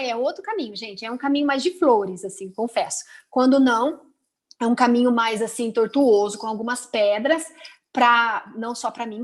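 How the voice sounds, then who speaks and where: A woman with a high voice and a Brazilian Portuguese accent, speaking over a video call. She is a teacher, chatty and expressive, full of rhetorical questions and quick asides. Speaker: teacher, invited guest. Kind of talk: casual web conference talk.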